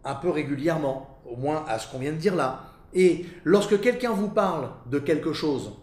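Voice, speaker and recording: A middle-aged man presenting an explanatory monologue in a didactic, emphatic way with deliberate repetition. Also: a little high, expressive, darkish tone. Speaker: presenter and communication coach. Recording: echoey, reverberant room.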